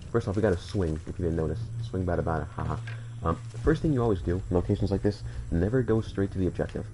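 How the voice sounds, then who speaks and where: A man's voice: low voice, warm tone, slight background noise, low-quality recording. A man with a slightly congested voice, joking and rambling to his viewers as he plays through a game. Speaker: gaming channel host. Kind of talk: casual let's-play commentary.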